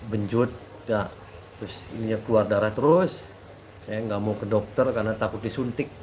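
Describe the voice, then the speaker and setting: A man's voice: lowish voice, slight background noise, low-quality recording. A man with a stuffy nose, rambling casually to his followers and repeating himself. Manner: rambling, repetitive, mixes in local words. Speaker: preacher addressing followers. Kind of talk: casual live-stream talk with chanted sholawat.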